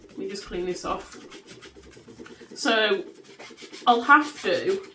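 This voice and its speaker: A woman's voice: mid-range voice, animated, slow pace, a little hiss or hum. A woman in her thirties with a Black Country accent, chatting casually and counting banknotes aloud at her desk at home. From West Midlands, England. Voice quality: loud voice. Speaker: budgeting vlogger. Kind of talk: casual chat while counting cash.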